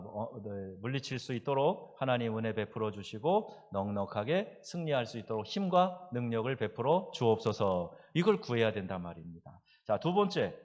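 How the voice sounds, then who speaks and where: A male pastor preaching a sermon, emphatic and building to loud exhortation. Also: medium pitch. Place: church sanctuary. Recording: church sanctuary with long reverb.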